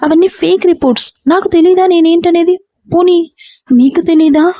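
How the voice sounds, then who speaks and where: A woman voicing a defiant, headstrong young daughter who gets indignant and high-pitched. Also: level tone, fairly quick, mellow, no echo, highs cut off, close to an everyday voice.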